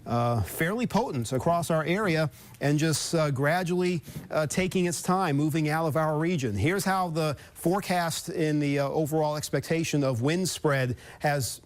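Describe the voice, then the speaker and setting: A man forecasting the weather live on TV in wordy, halting, circling phrases. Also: on the high side.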